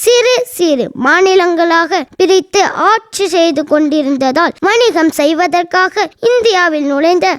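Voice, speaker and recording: High-pitched schoolgirl reciting a formal speech. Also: animated, measured pace, few pauses, dry recording, studio quality. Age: child. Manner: formal, declamatory. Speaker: student giving a speech.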